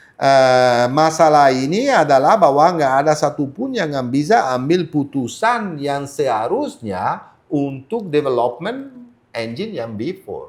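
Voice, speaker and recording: At a moderate pace, a man with a non-native accent speaks in a fairly high pitch with lively intonation. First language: not Indonesian (speaking Indonesian). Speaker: motorcycle racing pundit. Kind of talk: casual discussion. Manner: halting, many fillers.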